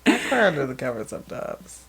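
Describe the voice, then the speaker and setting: A woman's voice: rumbling low, fairly quick, vocal fry, husky. A young woman co-hosting a podcast, chatting playfully and acting out little quotes as she tells stories. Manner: playful, animated storytelling with acted-out quotes. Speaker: podcast co-host. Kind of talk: casual chat.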